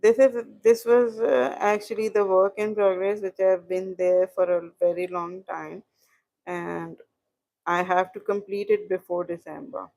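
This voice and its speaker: South Asian woman, halting and explanatory. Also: medium pitch, fairly even intonation, vocal fry, a little mellow, low-quality recording. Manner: halting, explanatory, repeats herself. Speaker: crochet instructor and live streamer. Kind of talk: casual crochet tutorial, chatting with viewers.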